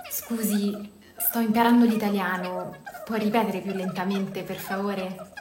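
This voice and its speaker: Slow-speaking woman teaching Italian words. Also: mid-range voice. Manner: says each Italian word twice, then gives its French meaning. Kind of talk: slow beginner language lesson, repeating each word. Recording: echoey room with faint music.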